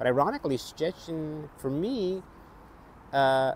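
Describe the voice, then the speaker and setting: This is a normal speaking voice with an American accent. It moves at a fairly slow pace with ordinary pitch variation. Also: man. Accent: North American accent when speaking Polish. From Canada. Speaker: theatre maker and actor. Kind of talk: casual vlog reflection.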